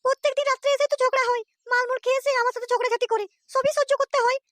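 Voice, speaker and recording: A woman's voice: very high voice, steady tone, racing, a bit bright, slight background noise. A woman voicing a young married daughter in a cartoon, weary and dutiful toward her father. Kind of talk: cartoon voice acting.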